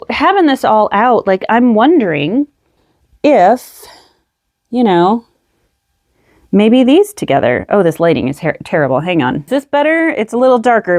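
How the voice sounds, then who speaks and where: A woman's voice: medium pitch, darkish tone, no room sound, studio quality. A woman vlogging casually at a table, musing aloud about her yarn, slightly out of breath, with many ums. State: a little out of breath. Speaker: craft vlogger. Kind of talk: casual show-and-tell chat.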